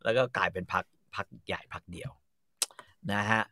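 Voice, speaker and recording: A man telling a story in a casual chat, animated and full of crude slang, acting out bits of dialogue. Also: sits low, a little fast, dry recording, clean studio sound. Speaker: storyteller host.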